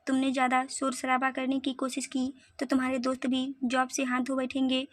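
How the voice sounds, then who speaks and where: A curt male boss turns down a worker in a storybook reading, read by a woman. The voice is high, flat and dry. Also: fairly quick, no room sound, lightly acted. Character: stern male office boss.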